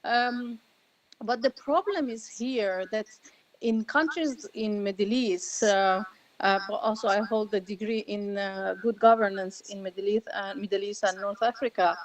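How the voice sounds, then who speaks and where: A woman activist speaking on a panel, a native Arabic speaker, pausing often with many ums and restarts. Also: medium pitch, fairly even intonation, low-quality recording. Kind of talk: panel talk.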